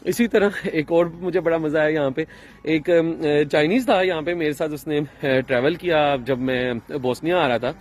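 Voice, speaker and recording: A man, talking to camera as a travel vlogger, chatty and explaining with many fillers and restarts, outdoors in a town. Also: fairly high pitch. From Pakistan. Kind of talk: casual explanatory travel vlog.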